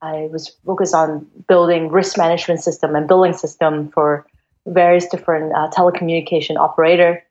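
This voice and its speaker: A woman's voice: low-pitched, flat delivery, fairly quick, darkish tone. A woman in her forties from Hong Kong, a guest investor telling her story in a chatty way, with many fillers and restarts. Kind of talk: casual interview storytelling. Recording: dull lo-fi sound.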